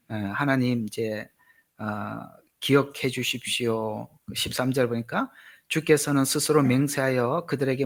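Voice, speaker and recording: A male pastor preaching a sermon, acting out prayers and rising to loud, emphatic questions. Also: mid-range voice, slightly rough.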